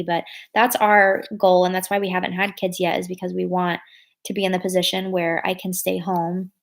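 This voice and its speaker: A young woman chats casually with her viewers as she answers their comments. Her talk wanders, packed with "like" and "um", and she corrects herself mid-sentence. Her voice sits at a middling pitch with a steady gravelly fry. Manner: rambling, filler-heavy, lots of "like" and "um"; thinks aloud and corrects herself. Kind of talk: casual live chat.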